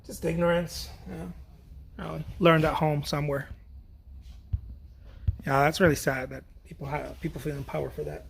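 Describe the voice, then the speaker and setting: A man's voice: a little high, level tone, moderate pace, vocal fry, long pauses, a little hiss or hum. A man chatting casually while he paints on a livestream, rambling, repeating his phrases and swearing now and then. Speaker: painter streaming a demo.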